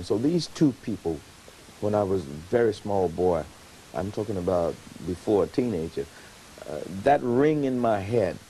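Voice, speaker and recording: A man talks at a moderate pace, his pitch swinging very widely. Light background noise is present. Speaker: interviewee. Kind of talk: interview answer. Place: studio.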